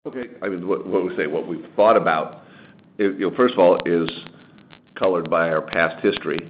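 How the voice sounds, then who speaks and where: A man speaking as a company executive on an earnings call, answering in a halting, rambling way with frequent restarts. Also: sits low. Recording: muffled, lo-fi conference call with faint noise.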